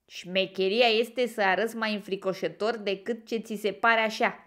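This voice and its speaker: A woman's voice: medium pitch, steady tone, natural voice. A woman voicing a plucky young male rabbit, the hero's brash helper. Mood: encouraging. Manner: brash, loud encouraging calls.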